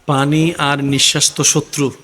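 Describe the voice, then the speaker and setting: A man preaching a waz sermon in a high, bright, forceful voice. He climbs into shouted peaks and then sinks low and quiet for quoted verses. He leads the gathered crowd in call-and-response. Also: flat delivery, normal speed.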